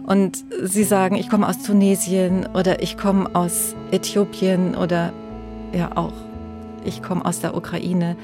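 A woman pastor, speaking in a thoughtful, measured way in an interview and growing animated when she stresses a point. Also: on the low side, music in the background. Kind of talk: interview conversation.

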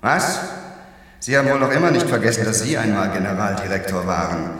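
An actor playing a megalomaniac, domineering company director in a radio play, barking orders and bursting into shouts. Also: male voice, lowish voice, a little fast, distant mic, lightly acted. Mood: imperious. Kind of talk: 1950s radio play acting. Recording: roomy reverberant studio, voice off-mic.

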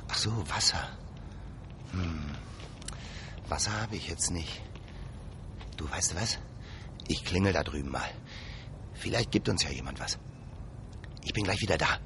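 An actor playing a kindly young man standing in for Santa, gently chatting to his reindeer and a boy. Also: low voice, lively intonation, takes it slowly, pauses often, background noise, full character voice. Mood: gentle.

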